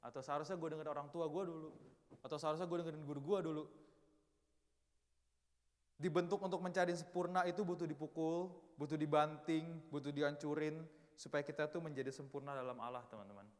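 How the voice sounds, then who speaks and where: A man's voice: a little high, fairly even intonation, fast talker. A man in his twenties giving a casual, chatty youth sermon in church, talking straight to the young people. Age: 20s. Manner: casual, chatty, banters with the audience. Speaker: youth preacher. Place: church hall. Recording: long hall reverb.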